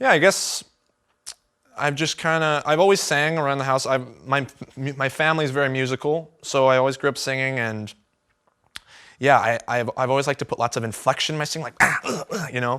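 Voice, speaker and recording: A man with a Canadian accent, fairly high pitch, bright, sharp tone and fairly even intonation, at a fairly quick pace broken by long, frequent pauses. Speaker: musician. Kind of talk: interview.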